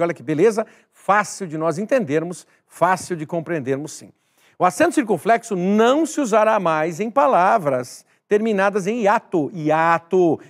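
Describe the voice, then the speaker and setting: Man, exam-prep teacher, high voice, emphatic and repetitive. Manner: emphatic, repeats key words, addresses viewer directly. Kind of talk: recorded exam-prep lesson.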